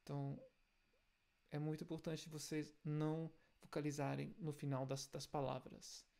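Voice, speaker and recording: German-accented male language teacher, gravelly, even delivery, slow worked examples. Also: on the high side. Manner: explains step by step, repeats example sounds slowly. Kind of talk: language lesson video.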